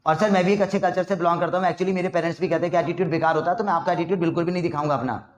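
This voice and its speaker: A man's voice: high voice, steady tone, racing, natural voice. A man voicing a defensive young male student who argues back at his teacher in a protesting tone. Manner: protesting, argumentative. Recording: roomy echo.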